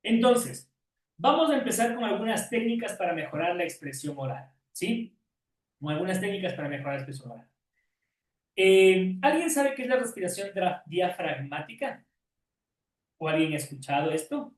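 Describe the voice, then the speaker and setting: A man's voice: high-pitched, big pitch swings, moderate pace. A male teacher giving an online class lecture, often checking in with questions and calling on students by name. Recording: roomy echo, distant from mic.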